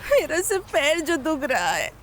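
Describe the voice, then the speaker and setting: An actress dubbing a self-pitying elder wife who complains and bickers tearfully. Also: female voice, very high-pitched, lively intonation, normal speed. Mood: complaining. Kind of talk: Hindi dub of a comedic drama. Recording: loud music under the dialogue.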